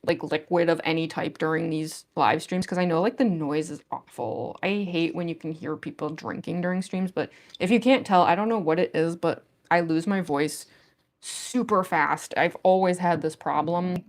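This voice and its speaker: With a deep, gruff voice that sounds like a smoker's, this young streamer chats loosely with her audience at a moderate pace, padding her rambling talk with fillers. She is clearly losing her voice, which is turning hoarse.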